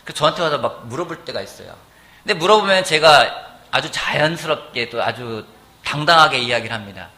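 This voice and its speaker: A middle-aged man preaching a sermon as pastor in a church, animated and often asking the congregation questions. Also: mid-range voice, a little fast. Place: church sanctuary.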